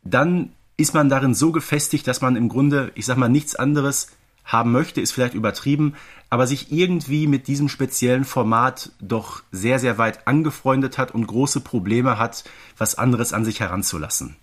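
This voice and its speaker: A man's voice: mid-range voice, normal speed. A middle-aged man co-hosting a podcast, discussing audio dramas casually in an explanatory way with tag questions and asides. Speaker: podcast co-host.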